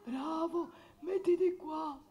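A performer voicing Death as a bossy, exasperated skeleton puppet, scolding and commanding in a squeaky, shrill voice. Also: takes it slowly, dark tone, exaggerated voice. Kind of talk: Italian puppet theatre slapstick.

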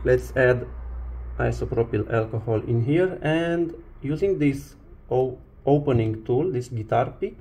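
A man presenting a hands-on repair tutorial, explaining step by step in short, halting phrases. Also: medium pitch, animated, dark tone. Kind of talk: hands-on instructional demonstration.

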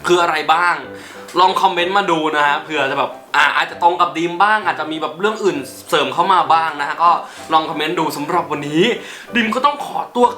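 A man hosting a casual countdown in a chatty way, who giggles often and gets excited and squeaky. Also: fast, reverberant, faint music behind. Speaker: YouTube host.

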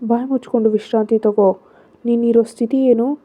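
A woman voicing a bossy young friend who scolds and mocks out of concern, raising her pitch. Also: fairly even intonation, normal speed, dark tone, natural voice. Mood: scolding. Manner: scolding, sarcastic. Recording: phone-like narrow sound.

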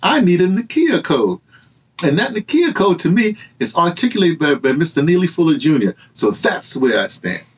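Older american guy ranting off the cuff, husky voice, pitch swinging all over, really emphatic. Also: normal speed. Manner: animated, emphatic, rhetorical questions, gesturing. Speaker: vlogger and activist commentator. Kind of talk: impassioned off-the-cuff opinion monologue. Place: small cluttered indoor room with books and hanging fabrics.

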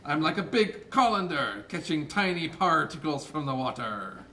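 A man's voice: on the high side, big pitch swings, moderate pace, pushed and bright, heavily acted. A man voicing a cheerful barnacle filter feeder in a live puppet show, recorded from a distance. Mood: jolly. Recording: distant mic with faint noise.

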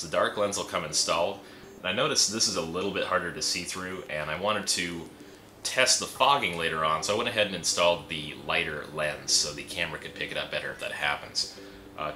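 A man's voice: low-pitched, bright, forceful tone, a little hiss or hum. A young man giving a casual product review in an easygoing, chatty way, with frequent fillers, speaking indoors into a camera. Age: young adult. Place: indoor room with a pegboard wall. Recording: roomy echo.

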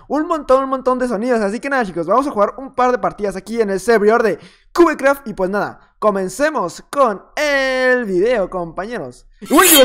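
Playful gamer man, rambling. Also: very high-pitched. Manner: playful, rambling, teasing opponents. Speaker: gaming video creator. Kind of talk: casual gameplay commentary.

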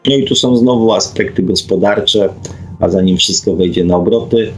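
A man's voice: lowish voice, moderate pace, soft background music, low-quality recording. A middle-aged man from Poland hosting an unscripted radio talk in a reflective, hesitant manner, often ending phrases with a questioning tag. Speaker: radio host. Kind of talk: unscripted radio monologue, reflecting and reading listener comments.

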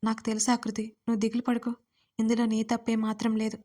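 A woman reading the lines of a kind, affectionate young woman in a narrated audio story, soft and consoling. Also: on the high side, monotone, fast, close to an everyday voice.

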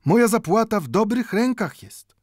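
A man's voice: sits high, animated, normal speed, no room sound, clean studio sound, voice pushed up. A man voicing an old Jewish bookbinder in an audiobook, speaking broken Polish full of "nu" and growing heated as he pleads. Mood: pleading. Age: older.

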